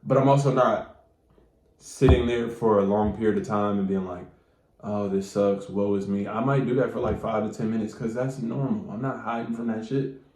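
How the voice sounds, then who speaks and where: A man's voice: lowish voice, steady tone, brisk, a little mellow, roomy sound. A man with a stuffy nose giving casual, slangy, profane advice straight to his viewers. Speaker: manifestation coach.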